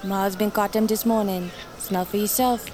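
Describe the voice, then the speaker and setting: An actress playing a scheming market fish seller who hawks her catch loudly and peppers her talk with French words. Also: mid-range voice, fairly even intonation, normal speed, a little hiss or hum, lightly acted. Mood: hawking. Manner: pushy hawking, French-sprinkled street talk. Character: loud scheming market catfish seller woman.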